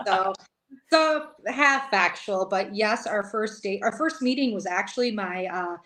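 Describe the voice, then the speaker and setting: A woman with a Minnesotan accent, a funeral director and guest in a casual interview, who laughs often and fills pauses with ums. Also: mid-range voice, a bit bright, low-quality recording. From Italy.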